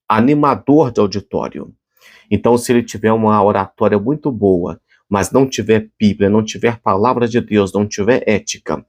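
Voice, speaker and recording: A man with a Brazilian Portuguese accent gives a short devotional sermon in a conversational way. His voice sits a little low, and he talks earnestly, often restarting his sentences and pausing on fillers before he closes in prayer. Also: a little mellow. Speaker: preacher.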